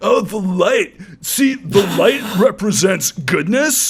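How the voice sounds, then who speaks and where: In a put-on character voice, a man speaks very slowly, high-pitched and raspy. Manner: mocking, dramatic.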